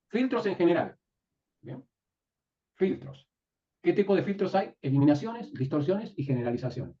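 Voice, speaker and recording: A man teaching a live class, often pausing to ask his students whether they follow. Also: a little high, mellow. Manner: asks the class frequent checking questions. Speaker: NLP teacher. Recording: distant, dull lo-fi room recording.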